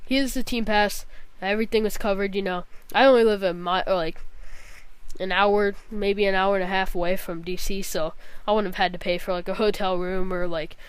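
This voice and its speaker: A woman's voice: mid-range voice, fairly even intonation, fairly quick, clean tone, dry recording. Young woman with a stuffy nose from a cold, chatting casually like a gaming vlogger, dry recording. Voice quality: nasal. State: sick with a cold, scratchy throat, nasal. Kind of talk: casual rambling vlog commentary.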